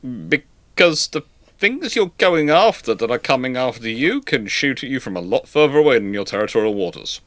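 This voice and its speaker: A man's voice: mid-range voice, lively intonation, normal speed, a bit bright, no room sound. A man hosting an informal live history Q&A, hesitant and repeating words as he thinks, with dry, wry humour. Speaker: host answering audience questions.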